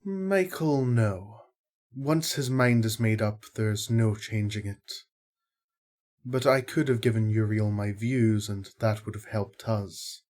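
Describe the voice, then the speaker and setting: A man playing a kindly, fair-minded archangel in an audio drama, explaining things in a measured, wry way. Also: fairly low pitch, darkish tone. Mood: thoughtful.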